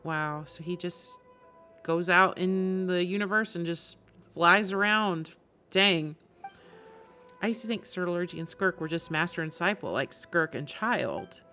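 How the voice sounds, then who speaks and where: Low-voiced woman streaming a game. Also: a little slow, sharp tone, faint music behind. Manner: conversational, musing aloud. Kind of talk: casual live reaction commentary.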